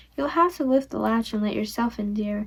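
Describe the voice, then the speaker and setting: Using a put-on character voice, a woman talks at a fairly quick pace with a fairly high pitch and lively intonation. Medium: read story.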